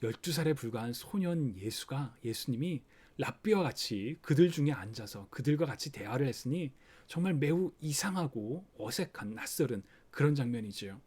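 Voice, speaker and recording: A man preaching a sermon for an online service, explaining a scripture passage gently and acting out the worried thoughts of parents. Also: mid-range voice, animated, moderate pace, hardly any pauses, slightly rough. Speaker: pastor. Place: online worship recording.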